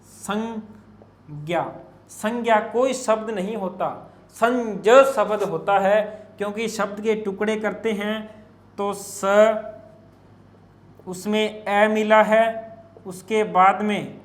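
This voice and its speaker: A man's voice: high-pitched, flat delivery, slow, roomy sound. A man teaching Hindi grammar for exam prep, spelling out letters piece by piece and asking and answering his own questions. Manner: addresses students as children, asks and answers his own questions. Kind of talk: exam-prep classroom lecture.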